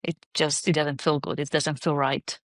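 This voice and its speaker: A woman's voice: low voice, little pitch movement, normal speed, no room sound. A woman from Greece, a guest in an interview, speaking in a reflective, thoughtful way. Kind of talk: conversational interview.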